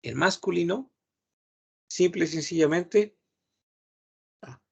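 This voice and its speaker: Slow and unhurried, a man with a high, gravelly, husky voice teaches French grammar online. He patiently repeats every word multiple times and thinks aloud with little hums.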